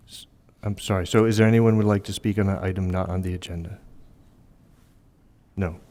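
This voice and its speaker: A man's voice: deep voice, steady tone, a little fast, mellow. A man chairing a city planning meeting, hesitant and apologetic, with many ums. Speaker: commission chair. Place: council chamber.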